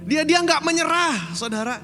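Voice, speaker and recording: A male pastor with an Indonesian accent delivers an emphatic sermon, calling out to his congregation again and again. His voice sits high for a man and carries a long reverb from a large church hall. Soft music plays faintly underneath. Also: very animated, normal speed. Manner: emphatic preaching, repeatedly addressing congregation, mixing English phrases.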